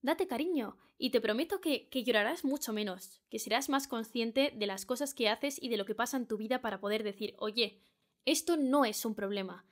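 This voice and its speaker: A woman's voice: fairly high pitch, moderate pace. A young woman from Spain hosting her own podcast, speaking earnestly to the listener and repeating phrases for emphasis. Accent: Spain Spanish. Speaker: podcast host. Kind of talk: solo advice podcast monologue.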